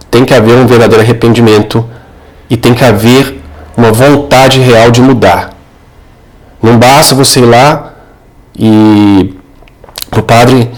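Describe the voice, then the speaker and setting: A man with a Brazilian accent giving informal religious advice in an earnest, didactic monologue, speaking directly to the listener. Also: mid-range voice. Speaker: Catholic advice video creator.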